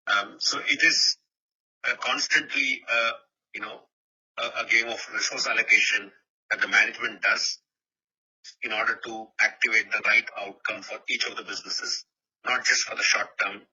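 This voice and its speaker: A man's voice: lowish voice, bright, forceful tone, breathy edge. A man, a company executive answering analysts on an earnings call, with a hesitant manner and frequent "you know" asides. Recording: muffled, lo-fi conference call audio.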